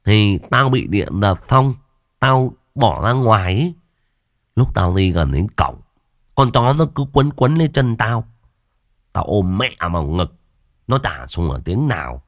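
A man voicing a grumpy, slow-witted young male thief who grumbles and curses. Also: on the low side, big pitch swings, no room sound, clean studio sound. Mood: recounting. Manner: grumbling, cursing.

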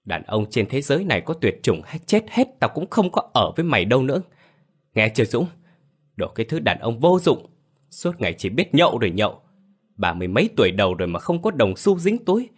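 A man's voice: mid-range voice, very animated, brisk, husky, voice pushed up. A man voicing a fed-up wife who scolds her husband shrilly. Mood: scornful. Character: fierce defiant woman, wife fed up.

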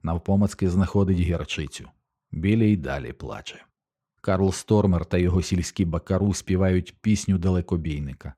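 A man narrating an audiobook in a steady, measured reading. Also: low voice, breathy edge. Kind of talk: scripted narration.

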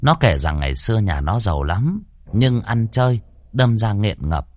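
A man narrating a ghost story in a colloquial, expressive way. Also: lowish voice, moderate pace, a little hiss or hum.

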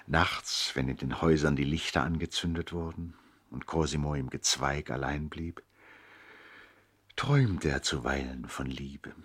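An actor playing a nobleman who recounts his brother's life as narrator of a 1960s radio play, in an expressive, deliberate literary manner. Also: very deep voice, breathy edge, heavily acted. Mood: reflective, narrating.

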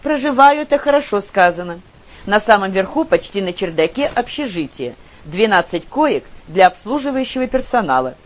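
A woman reading the lines of a friendly, trusting young woman in an audiobook, with a lively, eager manner. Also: mid-range voice, normal speed. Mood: amused.

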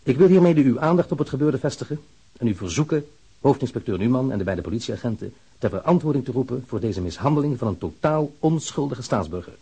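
Radio drama: an aggrieved citizen, formal and measured, dark husky timbre, reading a written complaint. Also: male voice, medium pitch, lively intonation. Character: aggrieved male engineer reading his formal complaint letter.

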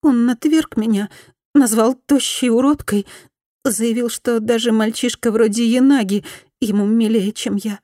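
A woman's voice: on the high side, fairly even intonation, unhurried, dark tone, no room sound, studio quality, voice pushed up, lightly acted. A woman voicing a remorseful former schoolgirl bully, now a housewife, who pleads in a thin, small, faltering voice and stammers slightly. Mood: confessing.

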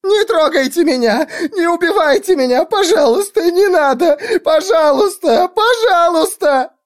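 A panicked woman wails and begs in a piercing, tearful voice, voiced by a man reading an audiobook. Her pleas come out high, slow and crying. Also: expressive. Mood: terrified. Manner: shrill, sobbing pleas. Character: terrified woman begging for her life.

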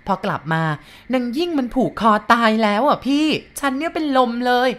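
Brief: a woman voicing a tearful, pleading middle-aged aunt for a storybook reading, voice pitched up and loud, half shouting. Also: sing-song, fairly quick.

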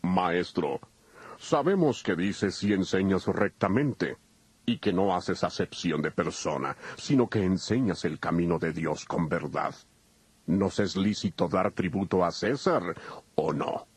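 A very husky, low, crafty flatterer. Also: male voice, measured pace, no room sound. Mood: flattering, crafty. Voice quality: husky, raspy. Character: sly male spy feigning righteousness, flattering and crafty. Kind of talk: dramatized audio Bible acting.

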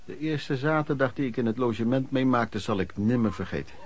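An actor playing an earnest, aghast storyteller narrating lodging-house memories in a radio play. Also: male voice, medium pitch, lively intonation, fairly quick, music in the background, lightly acted. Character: male storyteller recalling lodging-house misery, shocked and earnest. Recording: crowd noise behind the voice.

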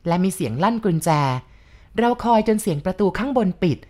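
A woman narrating a first-person ghost story in a steady, even reading voice. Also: mid-range voice, brisk.

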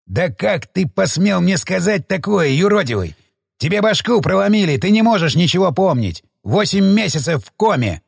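A man voicing a furious, blustering male hospital boss who shouts threats in a raised voice. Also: big pitch swings, normal speed, vocal fry, slightly rough, dry recording, studio quality, heavily acted. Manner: shouting, threatening, higher-pitched.

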